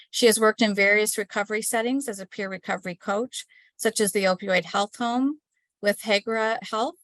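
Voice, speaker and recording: A woman hosting an online webinar, reading announcements and introducing the speaker in a steady, scripted way with small slips, over a computer mic on a video call. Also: mid-range voice, no room sound. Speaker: webinar host.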